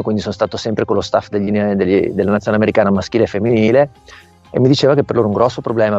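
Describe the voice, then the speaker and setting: Man on a call line, middle-aged coach, slightly low voice, dull lo-fi sound, faint music behind. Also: a little mellow. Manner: explanatory, often asks "capito?". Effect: heard over a remote call line. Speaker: volleyball coach. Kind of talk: remote interview.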